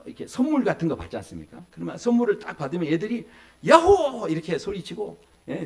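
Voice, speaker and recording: A man in his forties preaching a sermon as pastor, telling stories, acting out small voices and asking the congregation questions. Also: a little high. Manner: lively storytelling, acts out children and adults in little voices.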